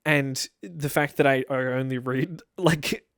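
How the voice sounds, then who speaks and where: Young man, casual vlog commentator, wry and rambling, mid-pitched and dry-miked. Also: fairly even intonation, slow, a bit bright, no room sound. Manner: rambling and wry, with frequent self-interruptions. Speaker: video creator. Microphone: camera-facing mic.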